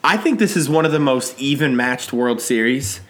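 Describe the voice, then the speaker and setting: A man in his thirties chatting casually as co-host, animated and talkative, jumping from TV to baseball. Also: medium pitch. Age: 30s. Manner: animated, talkative, quick bursts of excitement. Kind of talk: casual chat and sports talk.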